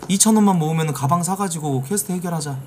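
Excitable Korean-speaking male game streamer. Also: fairly high pitch, quick pace, a little hiss or hum. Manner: excitable, bursts into shouts and swears at the game. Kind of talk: live game commentary. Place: streaming room indoors.

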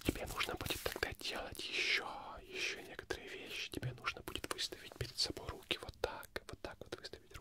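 A young man playing a sly, playful Cheshire Cat in a whispered role-play, murmuring repetitively in a breathy, barely audible whisper close to the mic. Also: fairly quick, hardly any pauses, close to an everyday voice. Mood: secretive, teasing. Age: young adult. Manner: repetitive, hushed, half-intelligible murmuring. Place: small foam-padded indoor studio. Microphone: close ASMR microphone.

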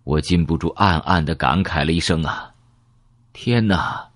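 A man's voice: very deep voice, steady tone, brisk, a bit bright, no room sound. A man reading a novel aloud in dramatic first person, telling the story vividly and expressively into a close mic. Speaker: audiobook narrator.

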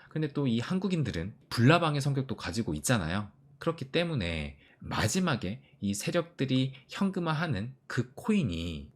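Lively low-voiced man giving investment advice. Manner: earnest, advising, many "eo" fillers. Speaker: crypto investing channel host. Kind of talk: solo talk to viewers.

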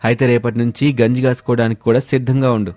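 A man's voice: mid-range voice, little pitch movement, fast, a little mellow, no room sound, close to an everyday voice. A man playing a scheming idler husband who poses as a holy swami in a moral story, talking in a grandiose, persuasive, preachy way. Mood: scheming, boastful. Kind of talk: acted Telugu moral story dialogue. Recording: music behind a dry voice.

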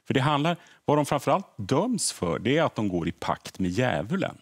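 A man's voice: medium pitch, very animated, breathy edge. A middle-aged man, a history podcaster, explaining earnestly in a TV studio interview and often repeating words as he thinks. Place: TV morning show studio.

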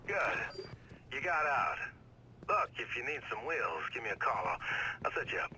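An actor playing a flippant criminal fixer in an action game, breezy and sardonic over a phone call. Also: male voice, medium pitch, big pitch swings, normal speed, sharp tone. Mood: slick, offhand. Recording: phone call amid game street noise.

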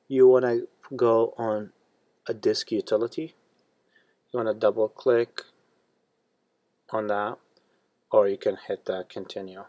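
A man hosting a step-by-step tech tutorial in a plain, steady instructional manner. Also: lowish voice, no room sound. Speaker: tutorial host.

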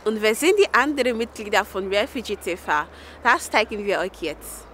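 A young woman reporter speaking slowly and clearly in a piece to camera, outdoors in a riverside park with a handheld mic. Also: mid-range voice, expressive, noisy background. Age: young adult.

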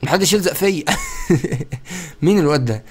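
A man's voice: a little high, animated, normal speed, breathy edge. A young man with an Egyptian Arabic accent giving playful, chatty gameplay commentary and talking straight to his viewers. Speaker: gaming YouTuber.

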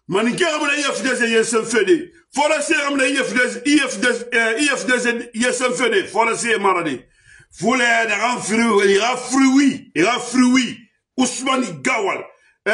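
A man delivering an impassioned political rant, shouting accusations and dropping low again. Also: distant mic. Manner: shouting accusations, swinging between loud and low. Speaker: political commentator.

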